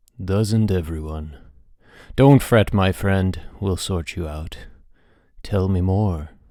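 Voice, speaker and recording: A man does a put-on character voice, husky and very deep, with ordinary pitch variation. He goes at a very slow pace with long, frequent pauses on a very clean recording with a silent background. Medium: read story. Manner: languid, smooth, ingratiating.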